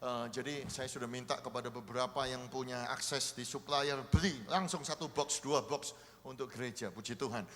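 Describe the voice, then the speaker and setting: A man preaching as pastor, lively and coaxing the congregation to practise greetings with one another. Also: mid-range voice, moderate pace. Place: large church hall. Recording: long hall reverb.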